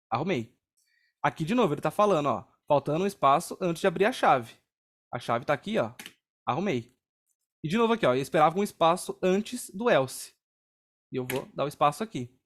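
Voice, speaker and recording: High-voiced Brazilian man teaching code. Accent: Brazilian Portuguese. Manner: casual, explains step by step, frequent "tá?" and "ó". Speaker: programming instructor. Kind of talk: live coding class.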